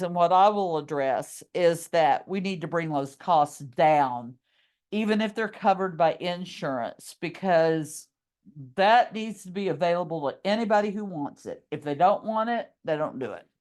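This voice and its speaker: Middle-aged woman teacher, low voice, deliberate pace, slightly strained voice, walks through each step aloud. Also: expressive, darkish tone. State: losing her voice. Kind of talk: screen-recorded class tutorial.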